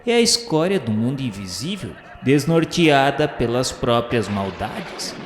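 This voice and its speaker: A man's voice: mid-range voice, big pitch swings, unhurried, slight background noise. A man narrating a radio drama in a solemn, dramatic way. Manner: solemn, dramatic, rising in emphasis. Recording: reverberant hall sound with faint music.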